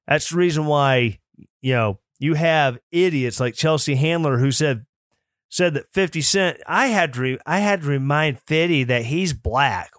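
A man's voice: on the high side, a little slow, a bit bright, no echo, clean studio sound. A man hosting his own political commentary podcast, opinionated and mocking, sometimes mimicking opponents in snooty put-on voices. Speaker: podcast host.

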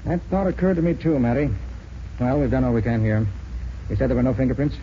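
An actor playing a calm, shrewd American private detective who questions methodically in a 1940s radio drama. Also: male voice, mid-range voice, fast talker, close to an everyday voice. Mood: decisive. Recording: scratchy muffled 1940s radio recording.

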